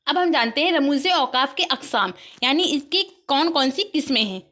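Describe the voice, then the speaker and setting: A woman's voice: high voice, lively intonation, normal speed, pushed and bright. A woman with an Indian accent, patiently explaining an exam paper step by step as a teacher.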